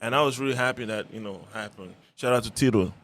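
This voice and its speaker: A man's voice: medium pitch, quick pace, fairly bright tone. A man from Cameroon, a musician guest talking in a friendly, rambling way with many fillers. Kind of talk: casual radio interview. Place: radio studio.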